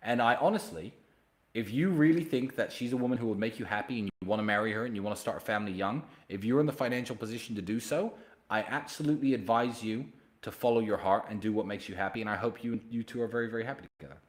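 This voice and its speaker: A man hosting a casual solo livestream, answering viewer questions directly and pitching emphatically. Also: fast talker. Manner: direct, addresses viewers by name.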